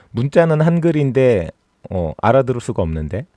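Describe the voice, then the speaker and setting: A man hosts a political livestream in a sarcastic, mocking tone that builds into exasperated rants. His pitch swings widely as he talks, and the sound is dry and close with no room in it. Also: sing-song, unhurried, dark tone, no room sound. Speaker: political YouTube host. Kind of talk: casual political commentary livestream.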